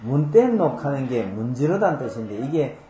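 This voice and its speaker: A man's voice: medium pitch, sing-song, normal speed, mellow, reverberant. A man preaching a conversational sermon, explaining scripture patiently with homely examples and rhetorical questions. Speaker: pastor. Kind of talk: conversational Bible-teaching sermon.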